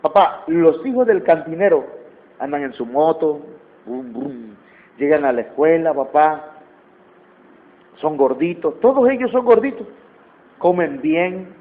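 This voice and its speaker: A man's voice: on the high side, animated, measured pace, pauses often, voice pushed down. A preacher doing a blunt little boy. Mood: earnest. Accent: Mexican. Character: young boy, blunt and honest with his father. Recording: tinny phone-like sound.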